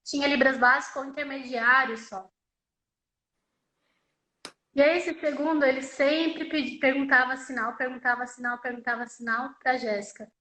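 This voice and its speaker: A woman's voice: high-pitched, fairly even intonation, moderate pace, pushed and bright, echoey room, low-quality recording. A woman interpreting live, voicing a deaf signer's personal story in the first person, in a conversational way with frequent tag questions and repeated phrases.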